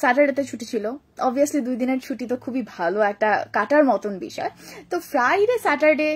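Her intonation lively, a woman speaks in a high voice. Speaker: radio host. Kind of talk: casual live-stream chat. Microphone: phone near.

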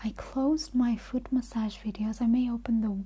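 Soft-spoken and fairly slow, a woman talks with a fairly even intonation. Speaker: video creator. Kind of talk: casual soft-spoken vlog chat, ASMR-like. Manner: soft, hushed late-night ASMR voice. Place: home room. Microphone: lapel.

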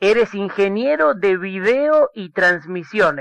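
This man's voice is high-pitched with a bright, sharp tone. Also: dry, close sound with no echo. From Argentina. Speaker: radio host. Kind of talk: radio interview.

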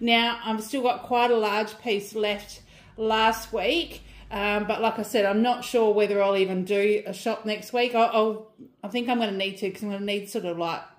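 Through audible room echo, a woman talks at a moderate pace with fairly even intonation. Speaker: home grocery haul vlogger. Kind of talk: casual vlog chat. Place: kitchen. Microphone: phone near.

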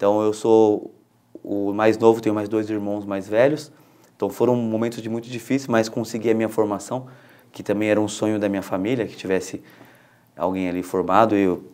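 Fairly low in pitch, a man's dark, mellow voice moves at a fairly quick pace. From Barueri, São Paulo state, Brazil. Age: 30s. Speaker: city councillor. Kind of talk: studio interview. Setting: studio. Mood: friendly, smiling. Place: studio. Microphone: lapel.

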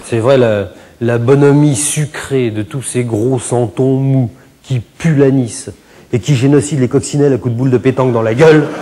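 A dark, mellow tone with fairly even intonation at a fairly slow pace. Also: man. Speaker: stand-up comedian. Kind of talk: comic stage monologue. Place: stage. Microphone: lapel.

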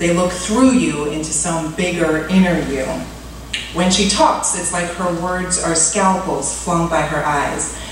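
Strong room echo and noticeable background noise surround the voice. A woman speaks at a fairly slow pace. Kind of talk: dramatic story reading. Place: hall.

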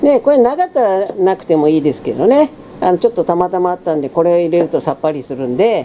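This woman's voice has a dark, mellow tone and very wide pitch swings. Light background noise can be heard. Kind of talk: casual cooking tutorial chat. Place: kitchen.

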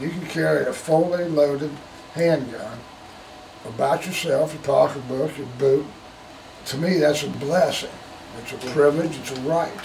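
Over light background noise, a man talks at a moderate pace with long, frequent pauses, big swings in loudness and fairly even intonation. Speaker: handgun expert and concealed carry instructor. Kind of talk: classroom lecture and range commands. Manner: shouting, drill-instructor style.

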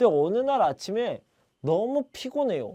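Against a quiet backdrop, the talking proceeds fairly slowly. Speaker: Korean language teacher. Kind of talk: tutorial. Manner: explanatory, clear.

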